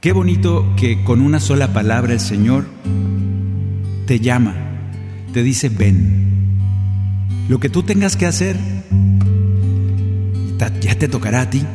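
A man's voice: mid-range voice, lively intonation, unhurried, pauses often, over music. A man, a Catholic singer-songwriter hosting a reflective, joking talk between songs. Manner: conversational and joking. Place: his own recording studio.

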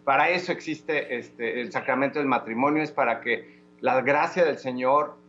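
A man answering interview questions about his faith, measured and hesitant, with restarts. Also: medium pitch, a bit bright, dull audio, a little hiss or hum. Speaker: guest giving testimony.

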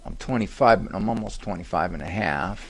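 A man's voice: sits low, a little fast, very noisy. An older man hosting a live talk show on a cruise, telling funny self-deprecating stories. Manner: animated, self-deprecating joking. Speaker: radio talk show host and psychologist. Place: live event on a cruise ship.

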